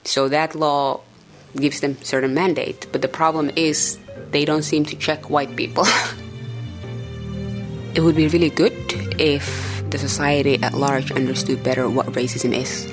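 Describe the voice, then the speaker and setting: A young woman whose first language is Somali, raised in Finland, telling her story in a relaxed, conversational way with many fillers. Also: low-pitched, measured pace. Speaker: interviewee. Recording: music bed underneath.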